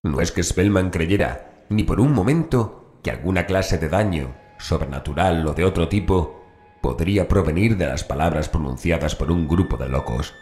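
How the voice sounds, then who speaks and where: Very deep-voiced man narrating horror. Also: expressive, normal speed, darkish tone. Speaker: audiobook narrator. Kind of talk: scripted horror story narration. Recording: roomy echo with faint music. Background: background music.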